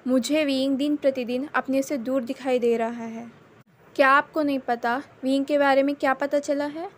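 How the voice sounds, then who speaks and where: A woman's voice: high voice, steady tone, moderate pace, natural voice. Woman reading as an obsessed young villain. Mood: obsessive.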